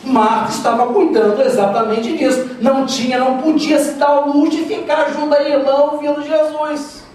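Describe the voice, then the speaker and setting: A man giving a public spiritist lecture, retelling scenes with humor and lively storytelling. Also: very high-pitched, normal speed. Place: spiritist center hall. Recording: very echoey hall, distant mic, faint noise.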